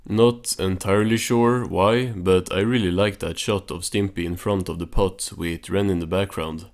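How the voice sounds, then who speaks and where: Low-voiced man giving offhand commentary. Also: steady tone, normal speed. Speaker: cartoon recap host. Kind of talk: casual recap commentary.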